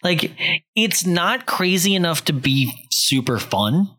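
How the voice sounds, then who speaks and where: A man's voice: a little high, big pitch swings, takes it slowly, bright, forceful tone. A man hosting a casual film-review podcast, talking loosely with many "likes" and restarts. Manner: loose and rambling, lots of fillers and likes. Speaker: podcast host reviewing films. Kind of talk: casual chat.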